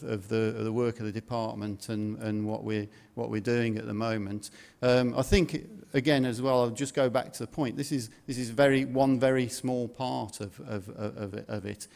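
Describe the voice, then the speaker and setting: A man's voice: medium pitch, darkish tone. A man finishing a conference presentation, repeating words and restarting phrases as he speaks. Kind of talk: presentation wrap-up. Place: conference hall.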